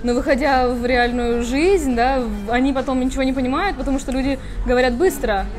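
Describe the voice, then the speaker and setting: Fairly quick, high-pitched speech from a woman, with fairly even intonation, audible room echo and noticeable background noise. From Russia, Arkhangelsk. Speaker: Russian language teacher. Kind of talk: interview. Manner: fast.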